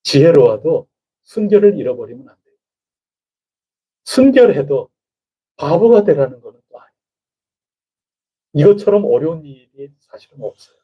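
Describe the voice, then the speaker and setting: A male pastor delivers a midweek sermon in a church sanctuary, keeping it chatty and conversational and often putting questions to the congregation. His voice sits fairly high and sounds slightly rough, very animated, at a moderate pace with frequent pauses. The recording is dull and lo-fi, typical of a church.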